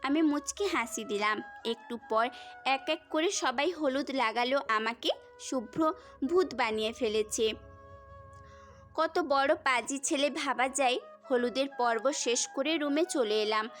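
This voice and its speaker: A woman's voice: sits high, measured pace, fairly bright tone, faint music behind. A young woman narrating a romantic story in the first person, as a scripted audio tale.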